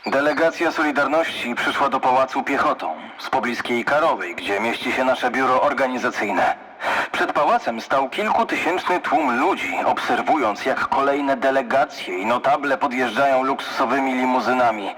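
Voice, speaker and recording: A man's voice: mid-range voice, moderate pace, fairly bright tone, lightly acted. A man playing quoted historical witnesses and speakers with vivid, declamatory delivery in an audio documentary. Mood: lively reporting. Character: male eyewitness reading journalist's account and political speech. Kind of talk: dramatised quotations in children's audio documentary.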